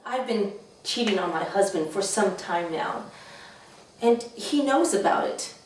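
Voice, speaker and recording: A woman's voice: mid-range voice, expressive, measured pace, slight background noise, close to an everyday voice. A brazen, whiny small-town wife played by a woman in a comedy sketch. She complains bluntly and plaintively, heard from a little distance in a heavily echoing room. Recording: echoey room, distant microphone.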